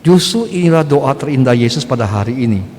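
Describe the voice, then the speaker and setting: A man's voice: mid-range voice, expressive, fairly quick, darkish tone, slight background noise. Male priest, middle-aged, blunt sermon, plain mid voice, long church reverb. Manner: blunt, conversational, rhetorical questions. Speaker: Catholic priest.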